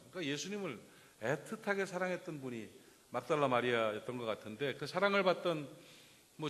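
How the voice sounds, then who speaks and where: Pastor preaching in a reverberant church. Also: male voice, a little high, fairly bright tone. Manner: storytelling, asks the congregation questions and acts out wailing. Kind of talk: Sunday sermon. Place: church sanctuary.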